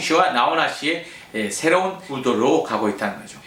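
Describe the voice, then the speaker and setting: Swinging very widely in pitch, a man speaks at a moderate pace against noticeable background noise. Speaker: opera tenor and vocal coach. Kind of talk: music analysis commentary to camera.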